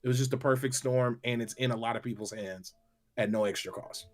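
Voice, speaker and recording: A man's voice: mid-range voice, fairly even intonation, a little fast. A man talking casually and giving his opinions as a panelist on a gaming show.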